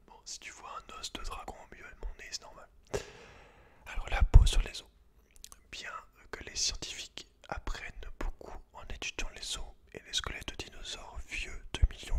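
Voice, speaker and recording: A man hosting ASMR in a breathy, unvoiced whisper, intimate and informal as he speaks directly to the listener. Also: very high-pitched. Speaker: ASMR video host. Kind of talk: whispered ASMR, reading a book aloud with casual asides.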